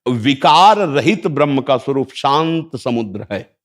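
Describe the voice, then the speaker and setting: Give me a man explaining spiritual teachings in a measured discourse, with recited Sanskrit verses. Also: medium pitch, lively intonation.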